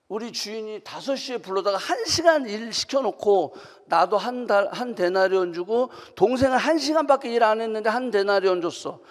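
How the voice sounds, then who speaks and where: Animated woman pastor preaching in a reverberant hall. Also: on the high side. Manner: animated preaching with rhetorical questions and emphatic outbursts. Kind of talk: sermon. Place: church sanctuary. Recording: long hall reverb from the church.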